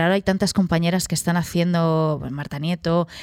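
This woman's fairly low voice moves along at a moderate speed. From Guadalajara, Spain. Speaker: actress. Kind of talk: casual interview.

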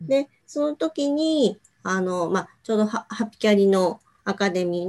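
An unremarkable speaking voice from a woman, medium in pitch, with lively intonation at a moderate pace. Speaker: life coach. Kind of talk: casual interview. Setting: online recording.

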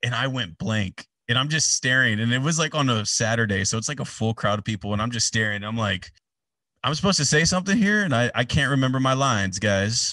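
Against a quiet background, a man with an American accent talks very fast at a medium pitch, his tone animated, bright and sharp and his intonation lively. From Texas. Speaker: sports announcer. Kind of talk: casual interview chat. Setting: video call.

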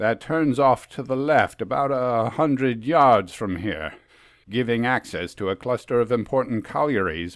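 The text is read aloud plainly, and the pitch varies in an ordinary way.

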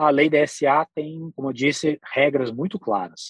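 At a fairly slow pace, the speech has a dry, close sound with no echo. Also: man. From Brazil, Paraná. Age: 30s. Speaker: business executive. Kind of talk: interview.

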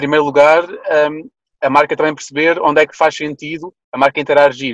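The sound is dry and close with no echo as a man talks at a fairly quick pace in a fairly high pitch. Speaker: fado singer. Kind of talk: casual chat.

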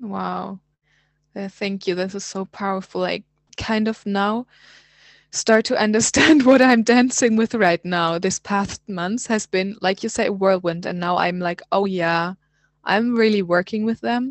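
A woman with a German accent, medium pitch, ordinary pitch variation, a fairly slow pace, and long, frequent pauses. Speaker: podcast host. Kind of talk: casual interview.

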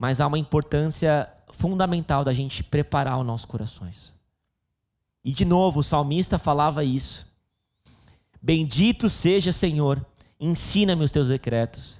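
Speaking at a fairly slow pace, a man with a fairly high pitch uses ordinary pitch variation. His pauses are long and frequent. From Brazil, São Paulo city. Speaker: pastor. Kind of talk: sermon. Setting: church service in a hotel venue.

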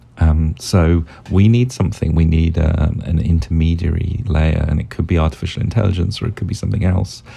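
With a British accent, a man with a very deep, low voice talks fairly quickly with hardly any pauses and ordinary pitch variation, over noticeable background noise. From Great Britain. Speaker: podcaster and designer. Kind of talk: recorded voice message. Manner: halting.

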